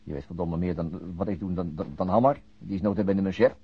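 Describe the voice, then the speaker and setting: An actor playing an awkward, evasive middle-aged male police detective in a naturalistic radio play, hesitant and halting. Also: deep voice, slightly rough. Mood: tender, defensive. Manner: hesitant, halting, repeats words. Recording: dull lo-fi radio recording.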